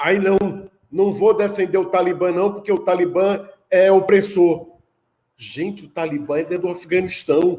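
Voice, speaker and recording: A man with a dark, mellow tone and a high pitch speaks fairly slowly in a monotone, flat delivery. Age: 60s. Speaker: political commentary show co-host. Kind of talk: political commentary discussion.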